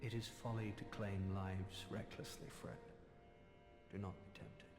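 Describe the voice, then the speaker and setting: An actor playing a weary, aloof male sorcerer teacher who speaks in a dry, measured, slightly reproachful way, heard from a video game. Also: on the low side, steady tone. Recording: game audio with roomy reverb and music.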